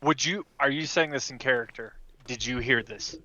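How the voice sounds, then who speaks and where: Male tabletop player, bright forceful voice, halting improvisation, dry and slightly dull sound. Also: mid-range voice. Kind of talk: halting improvised game talk.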